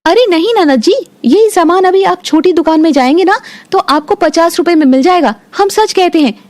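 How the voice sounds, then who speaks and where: A woman's voice: very high-pitched, moderate pace, darkish tone. A woman voicing a naive, earnest young daughter-in-law from a poor home in a cartoon story. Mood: indignant. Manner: naive, earnest, speaks of herself as "we". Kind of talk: cartoon voice acting.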